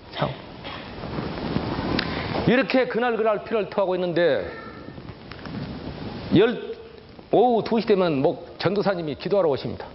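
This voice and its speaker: Older man giving a lively dramatic testimony. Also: fairly high pitch, slight background noise. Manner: dramatic storytelling, acts out quoted voices, addresses audience. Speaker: church elder giving testimony. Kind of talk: testimony sermon. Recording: dull recording with faint ambience.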